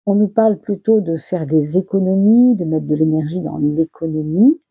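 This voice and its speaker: A woman's voice: low voice, moderate pace, gravelly, breathy edge, dry recording, phone-quality sound. A woman giving a casual monthly tarot reading, hesitant with many fillers and restarts, her voice getting worn and throaty. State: losing her voice, clears throat. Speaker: tarot reader.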